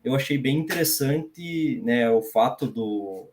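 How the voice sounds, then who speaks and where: A man of middle pitch with a Brazilian Portuguese accent gives his view in a study group discussion. He pauses often, fills gaps and leans on tag questions as he thinks aloud. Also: lively intonation, a little mellow. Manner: hesitant, with many fillers and tag questions. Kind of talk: discussion comment.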